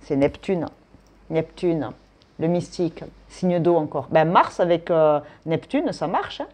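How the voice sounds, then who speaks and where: A woman's voice: low voice, animated, a little slow, a little mellow. A woman from France, giving a casual tarot and astrology reading in a chatty, thinking-aloud manner. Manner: chatty, thinks aloud, frequent tag "hein". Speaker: tarot reader.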